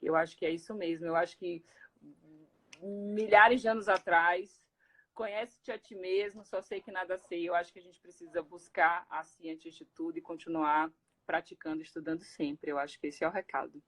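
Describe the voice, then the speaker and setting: A woman from Recife, a guest speaker talking casually in a live interview, animated and quick to laugh, with many fillers and restarts. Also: on the low side. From Recife, Brazil.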